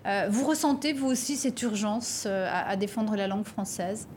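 A woman's voice: medium pitch, normal speed, a little mellow, slight background noise. A woman hosting a television interview, asking questions with frequent hesitations and fillers. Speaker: TV interviewer and host.

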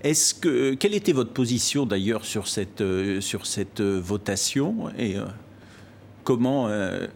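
A man interviewing a guest, asking stumbling, animated questions. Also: lowish voice, measured pace, creaky, a little hiss or hum.

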